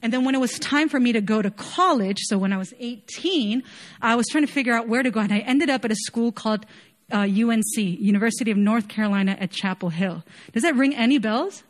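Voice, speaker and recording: A young woman raised in Chile preaches in an earnest, conversational way, full of casual fillers. Her voice sits a little on the high side. She talks warmly but plainly, more like a chat than a pulpit speech. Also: fairly quick. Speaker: worship leader preaching. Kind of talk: sermon.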